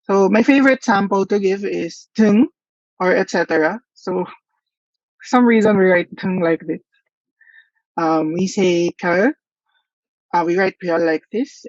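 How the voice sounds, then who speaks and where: Gravelly man presenting at a workshop. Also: high voice, no echo. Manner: thoughtful, hesitant, with frequent pauses. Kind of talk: conference presentation. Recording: dull lo-fi dry audio.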